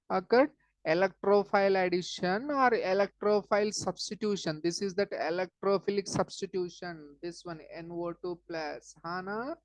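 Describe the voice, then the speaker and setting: This chemistry teacher, a woman with a South Asian accent and a lowish voice, walks through material step by step, repeating key phrases and frequently stopping for short check-in questions. The recording is low quality, dry, and close, with no echo.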